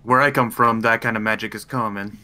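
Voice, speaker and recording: A man's voice: lowish voice, steady tone, a little fast, sharp tone. A man talking casually as a player in a roleplay game, questioning and insistent.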